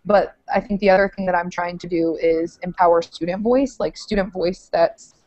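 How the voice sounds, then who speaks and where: A woman's voice: on the low side, fairly even intonation, normal speed, darkish tone, no echo, highs cut off. A young woman teacher on a video call, talking eagerly with many filler words from a small room with bookshelves, through an earphone headset. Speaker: social studies teacher.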